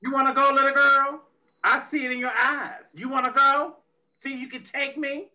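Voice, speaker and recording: A woman's voice: sits high, fairly even intonation, normal speed, bright, forceful tone. A woman playing a brash, foul-mouthed, drunk female tech expert in an audio drama, swaggering and menacing, recorded on dull lo-fi audio. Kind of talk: amateur audio drama reading.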